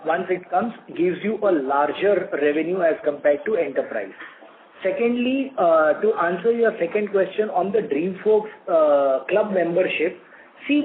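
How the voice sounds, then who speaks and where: A man with an Indian accent giving halting, explanatory answers as a company executive on an earnings call. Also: high-pitched. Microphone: conference call phone line. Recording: narrow phone line with faint noise.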